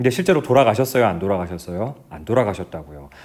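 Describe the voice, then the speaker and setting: The man talks at a fairly quick pace. His intonation is lively. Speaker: high school English teacher. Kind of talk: lecture.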